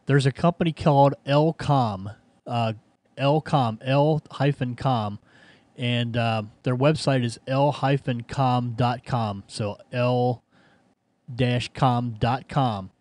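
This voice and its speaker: Male radio hobbyist, mid-pitched and helpful, casual explanatory chat with hesitations, dry close sound. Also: steady tone, takes it slowly, darkish tone, no room sound. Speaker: amateur radio operator.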